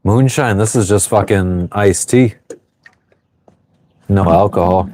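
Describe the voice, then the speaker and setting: A man in his thirties hosts a relaxed livestream from a sailboat at anchor, tossing off replies to viewer comments and cursing freely. His voice sits on the low side with a darkish tone, and he talks slowly. The recording is dry.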